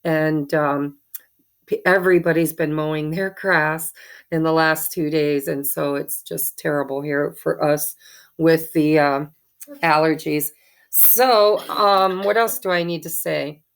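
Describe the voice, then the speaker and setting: A woman, hoarse from allergies, chatting in a rambling, thankful way as host of a tarot channel, with many ums. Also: deep voice, fairly even intonation, slow. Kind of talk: casual chat to viewers.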